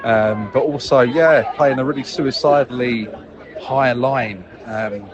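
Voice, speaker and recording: A man's voice: medium pitch, slow, highs cut off, a crowd in the background. A man leaving a casual, unscripted match report as a fan, hesitant but thoughtful and analytical. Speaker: football fan leaving a voicemail.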